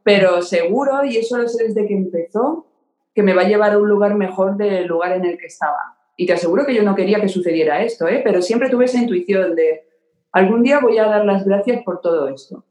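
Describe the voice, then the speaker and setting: A woman's voice: mid-range voice, brisk, dark tone. Open-hearted woman, roomy sound. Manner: open, emotional, repeats words for emphasis. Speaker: podcast guest. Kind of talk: candid conversation.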